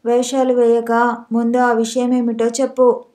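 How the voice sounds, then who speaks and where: A woman's voice: a little high, monotone, a little slow, warm tone, close to an everyday voice. A woman voicing a proud young husband who sulks and demands answers in a storybook reading. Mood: demanding.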